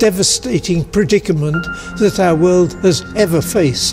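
Clear music plays in the background as a man speaks at a moderate pace. His voice is high-pitched, with ordinary pitch variation. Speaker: social scientist. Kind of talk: direct address to camera, advocacy talk. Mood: grave, urgent. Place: garden. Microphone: lapel.

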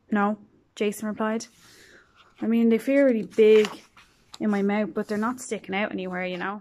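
A woman speaks with an Irish accent. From Ireland. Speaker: library storyteller reading aloud. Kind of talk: bedtime story reading aloud, scripted narration. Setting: library. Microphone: phone near.

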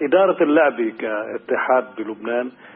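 This man's voice moves through an ordinary range of pitch. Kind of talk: interview answer. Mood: critical, firm. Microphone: phone line.

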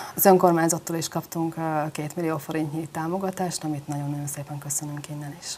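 A woman's very deep, low voice at a very fast pace, monotone and flat, over light background noise. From western Hungary, Sárvár; Hungary. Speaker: pastor; interview guest, pastor. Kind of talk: interview. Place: studio. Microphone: lapel.

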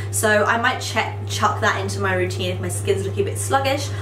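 With noticeable background noise behind her, a woman talks at a moderate pace in a very deep, low pitch. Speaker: beauty blogger. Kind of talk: product review tutorial. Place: bathroom.

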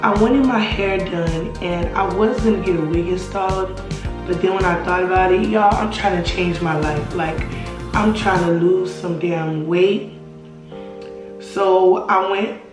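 With clear music in the background and audible room echo, a woman speaks at a moderate pace with fairly even intonation. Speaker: nail student vlogger. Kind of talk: casual vlog chat. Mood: relaxed, chatty. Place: home room.

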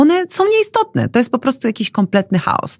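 The speech moves at a fairly quick pace with very wide pitch swings and vocal fry. The background is quiet. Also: woman. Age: 40s. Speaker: coach. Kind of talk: casual chat. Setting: studio. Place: studio. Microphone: studio mic.

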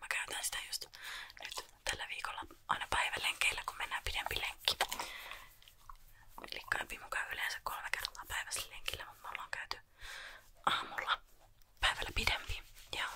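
Whispering in a relaxed tone, the speaker moves at a moderate pace with long, frequent pauses. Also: woman. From Finland. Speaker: ASMR artist. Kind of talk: whispered ASMR casual talk to camera. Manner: soft-spoken, relaxed. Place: home room. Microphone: studio mic.

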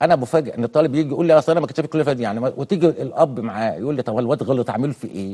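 This man has a fairly high pitch and a dark, mellow tone, with ordinary pitch variation. He talks at a very fast pace with hardly any pauses against a quiet background. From Egypt. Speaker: education official; guest. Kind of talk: TV interview. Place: studio. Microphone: lapel.

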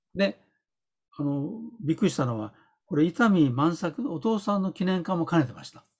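A man's high voice makes very wide pitch swings and big swings in loudness, broken by long, frequent pauses. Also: moderate pace, quiet background. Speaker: retired professor; guest. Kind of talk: interview; interview answer. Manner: casual explanatory with many fillers. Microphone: video call.

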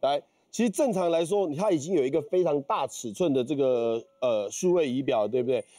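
Over a quiet background, a man talks at a moderate pace with a fairly high pitch. His tone is dark and mellow, with lively intonation. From Taiwan. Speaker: car expert presenting a vehicle; presenter. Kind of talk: car review talk show. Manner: many filler sounds and hesitations. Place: studio. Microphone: lapel.

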